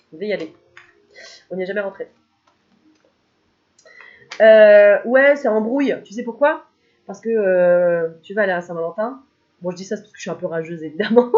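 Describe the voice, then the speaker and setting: A woman's voice: mid-range voice, muffled recording. A woman with a cold, a spiritual medium giving a casual card reading to her viewers, chatty and joking, laughing often. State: has a cold.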